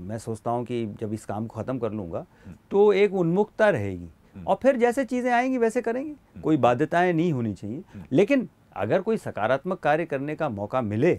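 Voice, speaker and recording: Very wide pitch swings at a fairly slow pace. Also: man, fairly high pitch for a man. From India, Madhya Pradesh. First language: Tamil (speaking Hindi). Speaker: retired senior civil servant; interviewee. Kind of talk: interview. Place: studio.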